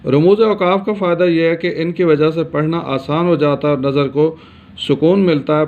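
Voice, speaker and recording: Man from Pakistan, grammar teacher, higher voice, steady explanation with pauses and "uh"s, dull lo-fi sound. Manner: steady explanatory reading with frequent hesitation sounds. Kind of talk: grammar lesson. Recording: dull lo-fi recording.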